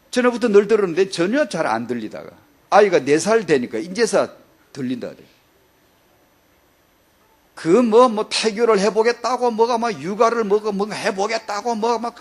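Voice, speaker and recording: A middle-aged man preaching a sermon to mothers, with emphatic, repetitive exhortation. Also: high-pitched. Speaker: pastor.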